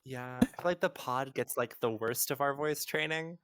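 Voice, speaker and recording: A woman's voice: extremely low pitch, moderate pace, no echo, studio quality. A trans woman co-hosting a podcast, chatty and jokey, with a light Californian accent. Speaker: podcast co-host. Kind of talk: casual chat.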